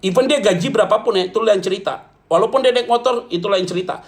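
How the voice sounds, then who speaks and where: Man, high-pitched voice, pastor preaching, humorous, animated, talks straight to the listeners. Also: quick pace. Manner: animated, jokey, addresses listeners directly. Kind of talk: lively humorous sermon.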